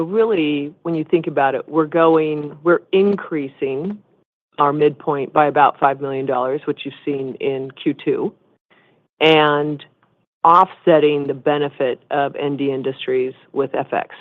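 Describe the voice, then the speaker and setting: A woman chief executive answering questions on an earnings call in a measured, explanatory way. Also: low voice, no echo. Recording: muffled narrowband conference phone line.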